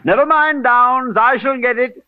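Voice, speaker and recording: An actor playing a flowery, sardonic police records clerk who speaks in ornate, theatrical phrases. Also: male voice, very high-pitched, measured pace, clean tone. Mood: mock-grand. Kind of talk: 1940s radio acting. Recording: thin, phone-like old radio broadcast.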